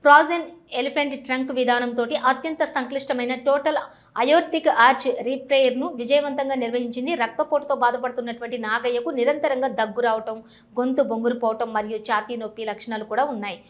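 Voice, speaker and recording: Woman reading the news, slightly high voice, formal and steady. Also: a little fast. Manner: formal, even read. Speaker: news reader. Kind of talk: scripted news voice-over.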